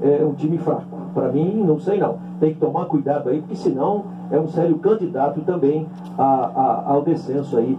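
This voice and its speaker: The pace is moderate and the pitch variation ordinary. Noticeable background noise runs underneath. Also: man. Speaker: radio sports commentator. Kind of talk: sports radio commentary. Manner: conversational, hesitant with repeated words. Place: studio.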